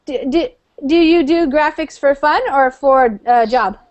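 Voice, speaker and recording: A woman's voice: high-pitched, a little slow, muffled recording. A woman from the United States teaching an online English class over a video call, friendly and chatty with many fillers.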